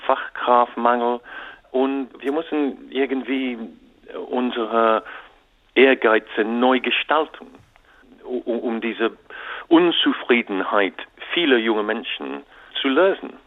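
An author appears as a guest in a radio interview over a tinny phone line. This man, with a mid-range voice, speaks halting non-native German, restarting repeatedly and using English fillers.

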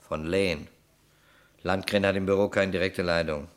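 An actor playing a probing, quietly relentless police detective in a German crime radio play, with dry, pointed questioning. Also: male voice, sits low, steady tone, normal speed, close to an everyday voice.

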